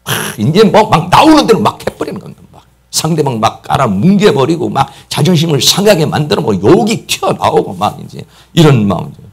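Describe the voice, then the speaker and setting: A middle-aged Korean pastor preaching a sermon emphatically, acting out quotes and piling up repeated words for stress. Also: male voice, on the high side, very animated, brisk, creaky, slightly rough. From South Korea. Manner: emphatic, acts out quoted speech, repeats "막" often.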